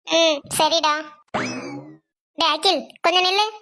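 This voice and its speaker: A woman's voice: extremely high pitch, steady tone, slow pace, pushed and bright, slight background noise, exaggerated voice. A woman voicing a middle-aged mother in a cartoon family story, scolding and fretful.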